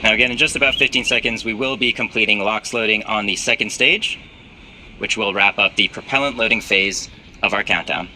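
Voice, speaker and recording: Male launch commentator over clear background noise. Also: lowish voice, brisk. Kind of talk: live explanatory launch commentary.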